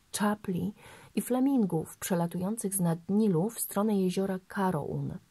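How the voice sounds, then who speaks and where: Woman, narrator, audiobook reading, steady and measured, mid pitch. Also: breathy edge.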